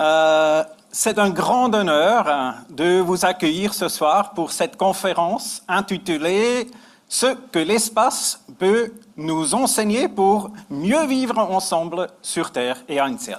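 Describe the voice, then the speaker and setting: In a Swiss German accent, the speaker talks at a very slow pace with lively intonation on a very clean recording with a silent background. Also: man, high pitch for a man. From German-speaking Switzerland. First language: Swiss German (speaking French). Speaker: finance professor. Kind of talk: introductory speech. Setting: lecture hall with large audience.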